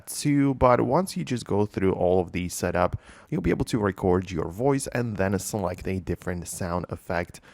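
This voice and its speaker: A man with a low-pitched voice narrates a casual tech how-to. His delivery is informal and offhand, like a channel host explaining the basics. The sound is dry, with very little room in it. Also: dry recording.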